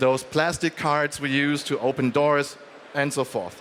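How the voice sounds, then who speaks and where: A man speaks at a moderate pace in a fairly high pitch. Noticeable background noise runs behind him. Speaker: software consultant. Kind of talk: conference talk. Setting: stage with audience. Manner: loud.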